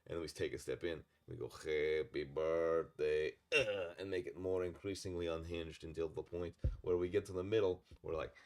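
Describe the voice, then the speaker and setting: A man co-hosting a casual podcast, talking about faith and dreams in a rambling way, often restarting mid-word. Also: deep voice. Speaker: podcast co-host.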